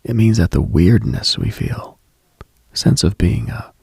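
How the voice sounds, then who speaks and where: A man with a very low voice full of heavy vocal fry delivers an intimate late-night radio monologue. His reflective, hushed delivery is extremely husky and breathy, as a host musing on spiritual matters. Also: wildly swooping pitch, a little slow, no echo, clean studio sound.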